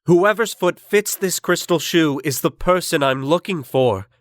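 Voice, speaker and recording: A man voicing a gentle, polite young prince in a children's story. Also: on the high side, measured pace, dry recording, lightly acted. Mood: admiring.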